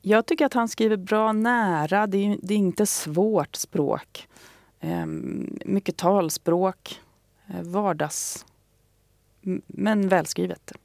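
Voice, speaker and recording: A woman's voice: mid-range voice, creaky, a little mellow, dry recording, studio quality. A woman talking casually on the radio as a guest recommending a book, hesitant, with many fillers and restarts.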